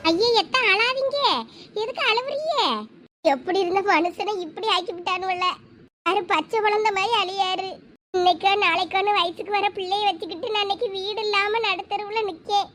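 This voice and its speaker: Very high-voiced woman. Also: fairly even intonation, brisk, fairly bright tone, slight background noise. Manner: consoling, pleading. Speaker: skit performer. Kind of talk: village comedy skit.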